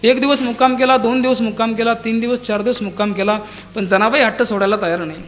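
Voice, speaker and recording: A man's voice: very high-pitched, steady tone. A man preaching a devotional kirtan, telling a saint's story with acted dialogue and sung verses. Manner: dramatic storytelling, voicing characters' dialogue; breaks into slow sung abhang verses. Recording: live kirtan with tabla and instruments behind.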